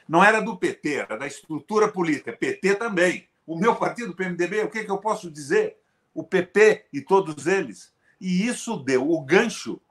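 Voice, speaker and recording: An older man in his seventies, heard hosting a political conversation in a somewhat high voice. He argues emphatically, pushing certain words hard and letting others drop. His voice climbs and falls sharply as he makes his points. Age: 70s. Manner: emphatic, forceful, with sharp swings in pitch and loudness. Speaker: host, veteran politician.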